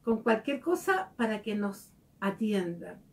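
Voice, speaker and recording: A woman's voice: medium pitch, very animated, measured pace, a little mellow. A woman giving a devotional reflection, speaking conversationally and asking her listeners direct questions. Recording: voice heard from a distance.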